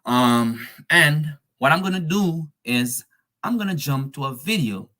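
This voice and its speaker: A man's voice: a little high, lively intonation, measured pace, sharp tone. Casual man presenter calling everyone "guys". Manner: casual, addresses listeners as "guys", fillers and restarts. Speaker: dual enrollment presenter. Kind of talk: informational presentation.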